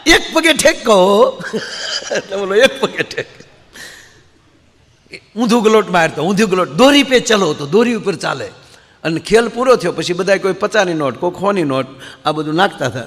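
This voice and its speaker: A man telling comic folk stories to a live audience, acting out his characters with quick voice shifts. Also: on the high side, fairly bright tone. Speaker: folk comedian storyteller. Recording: hall reverb.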